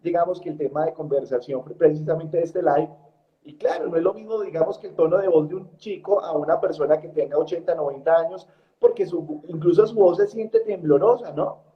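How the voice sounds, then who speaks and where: A man's voice: a little high, brisk, muffled recording. A male presenter asking casual, musing questions in an interview.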